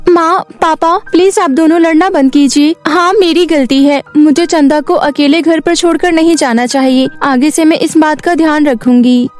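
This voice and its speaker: Woman as a high-voiced gentle, wronged young stepdaughter. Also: steady tone, moderate pace, hardly any pauses, natural voice. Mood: pleading, apologetic. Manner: meek, pleading, tearful when hurt. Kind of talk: cartoon moral story dialogue. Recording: faint music bed behind voice.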